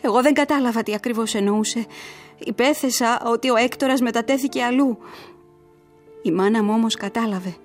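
A woman's voice: fairly high pitch, faint music behind, lightly acted. An actress playing a grieving young woman who tells her story earnestly and emotionally, as in a letter read aloud in a radio drama.

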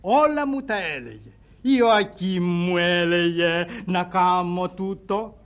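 A pompous old ex-cashier. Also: male voice, sits high, animated, smooth, dull audio. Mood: effusive. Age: older. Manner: stiff old-fashioned formal speech, florid. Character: elderly male ex-bank cashier, pompous, effusive.

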